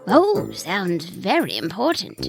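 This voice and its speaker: A woman's voice: fairly low pitch, wildly swooping pitch, takes it slowly, creaky, full character voice. Lady doing a cheery fussy weasel guy for a kids story, super swoopy, gushy n polite, music under it. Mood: delighted, eager. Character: cheerful, eager, fussy male weasel homeowner. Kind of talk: children's storybook character voice. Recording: music playing behind the voice.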